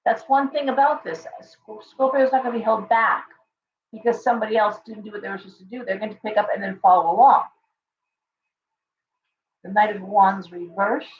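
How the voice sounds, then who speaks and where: A woman hosting a casual tarot livestream, chatty and hoarse, thanking viewers by name as she reads the cards. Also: medium pitch, steady tone, brisk, far from the mic, slight background noise. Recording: dull, roomy livestream audio from off-mic.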